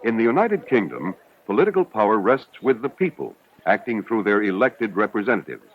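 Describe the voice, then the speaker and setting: A man reading scripted narration for an educational film in a measured, formal, explanatory way. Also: fairly low pitch, sing-song. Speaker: documentary narrator. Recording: dull, hissy 1970s educational film soundtrack.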